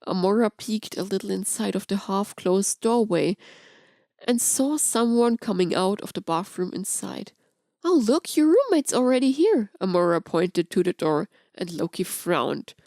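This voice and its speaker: A woman narrates fan fiction in the manner of an audiobook, reading from a script. Her voice sits at a middle pitch, and the recording is dry with hardly any room sound. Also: measured pace, gravelly, darkish tone, no room sound.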